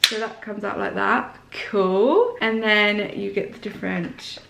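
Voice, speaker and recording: A chatty, excitable woman with a slight sore throat, talking casually through an unboxing. Her voice sits at a middling pitch and bounces around an echoey indoor room. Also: measured pace, creaky. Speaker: vlogger.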